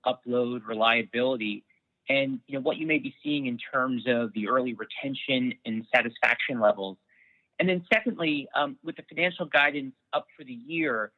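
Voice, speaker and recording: Thin telephone sound, man, medium pitch, financial analyst, polite, measured, formal questioning. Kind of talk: prepared questions on an earnings call. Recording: thin, band-limited phone line.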